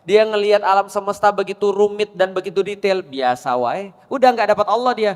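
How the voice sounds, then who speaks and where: A male preacher with a notably high voice, giving a sermon to a gathering of women. He keeps quizzing them with quick questions, and the long echo of a hall hangs behind his words. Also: little pitch movement. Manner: quizzes the audience with rapid questions. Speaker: Islamic preacher.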